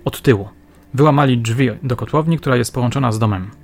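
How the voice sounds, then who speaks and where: A man voicing a gruff, blunt, talkative male police sergeant in an audiobook. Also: medium pitch, fast, natural voice. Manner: blunt, slangy.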